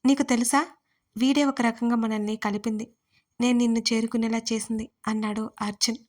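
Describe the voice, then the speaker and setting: Woman narrator doing a tender, teasing young man, fairly high-pitched, romance audio story. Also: flat delivery, a little fast, natural voice. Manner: fond, gently teasing.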